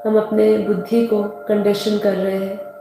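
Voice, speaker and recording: Slow, echoing Indian woman guiding meditation. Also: mid-range voice, level tone. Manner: unhurried, soothing, repeats phrases. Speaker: meditation guide. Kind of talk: slow guided meditation instruction. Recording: heavily echoing voice over soft music.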